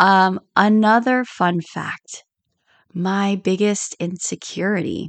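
The sound is dry and close, with no echo and a quiet background. A woman talks very slowly at a medium pitch, with fairly even intonation. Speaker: podcast host. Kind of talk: solo podcast monologue. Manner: slow, meditative.

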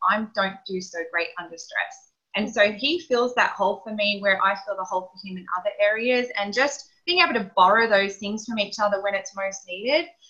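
An Australian accent with big swings in loudness. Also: woman, medium pitch for a woman, ordinary pitch variation, moderate pace. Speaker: makeup artist and wellness entrepreneur. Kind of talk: interview. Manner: hesitant with fillers.

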